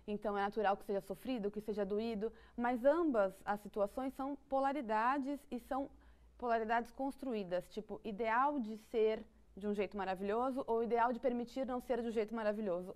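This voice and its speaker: A woman's voice: on the high side, moderate pace, darkish tone. A woman with a Brazilian Portuguese accent explaining psychology ideas in conversation, thoughtful, with frequent restarts and light laughs. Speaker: psychology guest.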